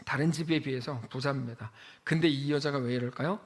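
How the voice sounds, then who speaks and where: A man preaching a sermon as pastor of a church, telling a story in a lively way and acting out the quoted voices of the people in it. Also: medium pitch, brisk, breathy edge. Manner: animated storytelling, acts out quoted voices, exclaims.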